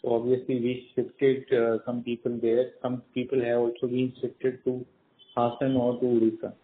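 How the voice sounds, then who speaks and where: A man with an Indian accent answering questions as a company executive on a call, with a hesitant, halting delivery. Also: medium pitch, monotone, a little hiss or hum. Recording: narrow muffled phone line.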